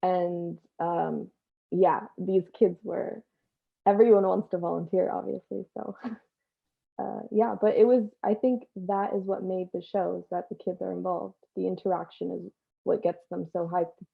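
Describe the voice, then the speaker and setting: Low, gravelly woman on phone-like audio. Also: steady tone, unhurried. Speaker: stage actor, panel guest. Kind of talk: casual interview chat. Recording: tinny, narrow phone-like call audio.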